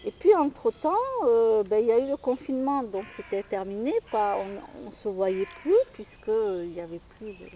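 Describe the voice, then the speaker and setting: A woman's voice: mid-range voice, moderate pace, hardly any pauses. A woman telling a personal story in a rambling, hesitant way, full of fillers and restarts. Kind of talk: casual storytelling monologue. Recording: dull lo-fi recording with faint outdoor noise.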